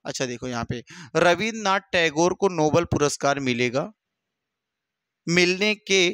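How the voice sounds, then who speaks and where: A man teaching an exam-prep lesson in an animated way, repeating each answer and acting out students' replies. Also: fairly high pitch, unhurried, clean tone, dry recording. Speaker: Hindi teacher.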